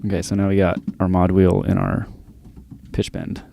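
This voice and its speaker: A man giving a casual, unscripted music software tutorial, explaining in a loose, halting, informal way. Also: deep voice, monotone, creaky. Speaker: music production tutorial presenter. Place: indoors, close dry voice-over of screen recording.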